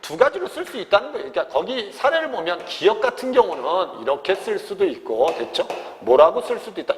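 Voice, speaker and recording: In a large hall with slight background noise, a high-pitched male teacher of Korean gives an exam grammar lecture. Over and over he asks students if they follow, calling himself "teacher" in the third person.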